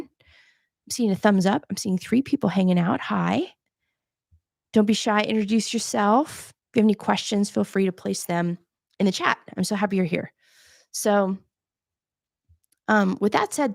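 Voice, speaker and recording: Casting: soft-spoken woman coach, slight fry, close dry mic, casual livestream tutor. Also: medium pitch, no echo. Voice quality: soft-voiced. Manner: chatty, demonstrating gear on camera. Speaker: podcast coach hosting a live Q&A. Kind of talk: casual live-stream tutorial.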